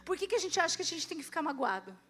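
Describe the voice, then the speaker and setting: A Brazilian woman pastor preaching at a church service, lively, swinging between loud and hushed, and acting out prayers and dialogue. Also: very high voice, racing. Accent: Brazilian Portuguese. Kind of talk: sermon.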